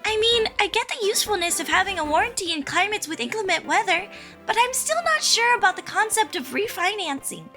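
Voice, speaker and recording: A woman's voice: extremely high pitch, sing-song, fairly quick, bright, forceful tone, soft background music, heavily acted. A woman voicing a chirpy, oblivious young girl trainer with a bubbly, bluntly condescending manner in a comedic cartoon fan dub. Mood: cheerful, chatty.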